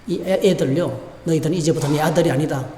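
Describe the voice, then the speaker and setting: A man's voice: on the high side, quick pace, mellow, a little hiss or hum, voice pushed down, natural voice. Stern warning father, as a preacher plays him. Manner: firm warning commands. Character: stern father guarding a snack. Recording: echoey church hall.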